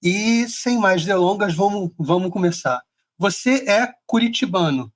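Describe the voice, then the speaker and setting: A man's voice: high-pitched, expressive, unhurried. A man with a Carioca accent hosting a podcast, chatting casually with many small restarts. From Rio de Janeiro. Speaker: podcast host. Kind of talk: casual interview chat.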